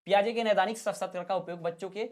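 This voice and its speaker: A man teaching an exam-prep class. He reads out each question, gives the answer and says it again so it sticks. His explaining is plain and steady, like a classroom drill. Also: high voice, racing. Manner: asks a question, then answers and repeats it.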